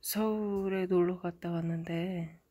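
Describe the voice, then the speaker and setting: A middle-aged woman hosting her own channel, telling a story in a casual monologue and swinging dramatically from hushed murmurs to loud outbursts. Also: on the low side, steady tone, a little slow. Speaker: channel host interpreting a dream.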